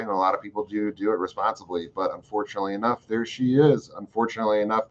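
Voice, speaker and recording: A man's voice: fairly low pitch, lo-fi sound, slight background noise. A man hosting a casual live chat, answering viewer questions in a rambling, profane way with lots of fillers. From Florida. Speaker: host.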